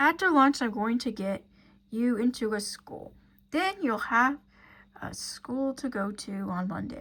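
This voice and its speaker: Putting on a raspy character voice, a woman speaks at a fairly slow pace in a high pitch. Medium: read story. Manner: upbeat.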